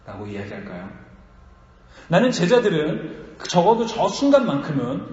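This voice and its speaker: A male pastor preaching a sermon, talking in a lively way, asking the congregation questions and acting out quotes. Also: a little high, moderate pace, reverberant, big-room sound, dull audio. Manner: animated, asks the congregation questions and acts out quotes.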